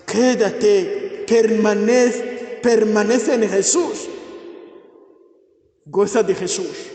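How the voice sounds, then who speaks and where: A man with a high voice preaches slowly and fervently in a large church. He repeats his words and pleads with his listeners. His voice rings through a long, echoing reverb. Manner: fervent, repetitive, imploring, with sudden raised exclamations. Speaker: priest. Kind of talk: sermon.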